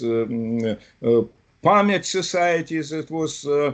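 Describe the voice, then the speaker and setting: Spoken with a Russian accent, the voice swings very widely in pitch. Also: man, quiet background. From Russia, Moscow. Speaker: author and historian. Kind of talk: panel interview. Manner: halting, many hesitations.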